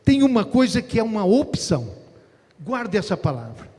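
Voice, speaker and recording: A Brazilian pastor preaching a sermon in a large church, with quiet joking asides and rhetorical questions that build to shouted climaxes. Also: male voice, high-pitched, very animated, normal speed. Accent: Brazilian Portuguese. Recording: echoey church hall.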